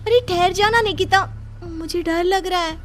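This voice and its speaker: A woman playing a timid, squeaky-voiced young woman. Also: unhurried, a little hiss or hum. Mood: worried. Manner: anxious, fretful. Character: timid, jumpy young woman office worker.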